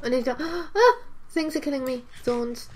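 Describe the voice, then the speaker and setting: A playful young woman chatting casually while gaming, switching between murmured asides and excitable outbursts. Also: high-pitched, normal speed, slight background noise. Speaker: gaming video co-host.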